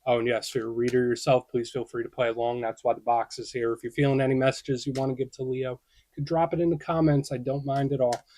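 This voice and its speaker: A man's voice: medium pitch, level tone, fast, a little mellow. A young man giving a casual tarot reading to camera, chatty and reassuring, thinking aloud and acting out inner questions. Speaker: tarot reader.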